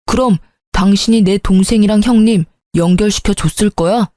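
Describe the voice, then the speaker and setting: A woman playing a petty young husband, whiny, pleading, mellow tone, dry close recording. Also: mid-range voice, moderate pace, no room sound, lightly acted. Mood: sulky.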